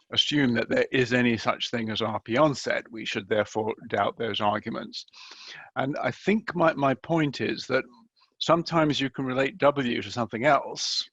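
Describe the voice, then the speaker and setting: A man asking an articulate, measured academic question over a video call, with some restarts. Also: mid-range voice, a bit bright, no room sound. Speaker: audience questioner. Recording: dull lo-fi video call audio.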